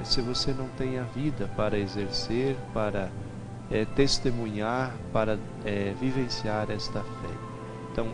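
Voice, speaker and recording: A man in his thirties with a Brazilian Portuguese accent, a priest giving a daily gospel reflection in a small TV studio on a headset mic, speaking earnestly with frequent pauses and restarts. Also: mid-range voice. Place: small TV studio with cross backdrop.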